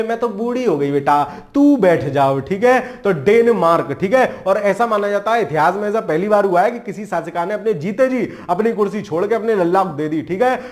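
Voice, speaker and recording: A man teaching an exam-prep lesson in a casual, joking way, with memory tricks and frequent check-ins, speaking. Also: high-pitched. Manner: chatty, jokey memory tricks, frequent "ठीक है".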